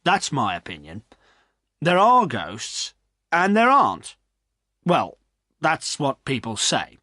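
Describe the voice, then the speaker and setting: A man's voice: fairly high pitch, huge pitch swings, slow pace, sharp tone, no echo, studio quality, voice pushed up, full character voice. A man voicing a village innkeeper who speaks firmly and tries to keep the peace. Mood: calming. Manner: firm, soothing.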